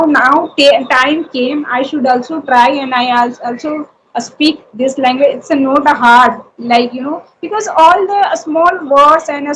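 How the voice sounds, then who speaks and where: A Hindi-speaking woman with an Indian accent, chatting in English in halting sentences full of fillers and restarts. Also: sits high, fairly bright tone, slight background noise, low-quality recording. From Uttar Pradesh, India. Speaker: homemaker and YouTuber practising English. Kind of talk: casual conversation practice.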